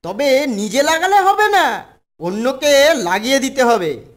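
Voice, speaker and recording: A woman voicing a confident, eager young schoolboy in a children's cartoon, explaining things briskly. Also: high voice, very animated. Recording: music behind the voice.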